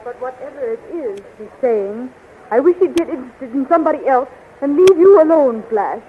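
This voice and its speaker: Devoted young heroine, anxious and sincere, vintage radio adventure style, dull sound with faint hiss. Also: female voice, sits high, expressive, normal speed. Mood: fretful, jealous. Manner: earnest, fretful. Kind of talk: 1930s radio serial acting. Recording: muffled, noisy 1930s radio recording.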